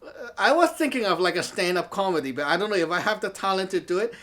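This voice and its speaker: Speaking fast in a high-pitched, expressive, slightly bright voice, a Cantonese-speaking man from Hong Kong chats his way through a casual talk show monologue to camera. He's a Taoist teacher and show host who laughs a lot and keeps checking "okay?".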